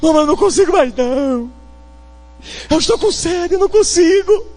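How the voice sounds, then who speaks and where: A man's voice: extremely high pitch, lively intonation, moderate pace, a little mellow, soft background music, pitched above the performer's own voice. A man with a Northeastern Brazilian accent voicing a small thirsty boy who whines and cries for his mother. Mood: tearful. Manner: whiny, tearful pleading.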